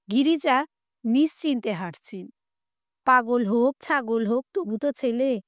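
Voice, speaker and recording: A woman narrates a short story in an expressive, measured manner. Her voice sits high and unhurried, recorded close and dry with no room sound. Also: no room sound. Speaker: story reader. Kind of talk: scripted narration.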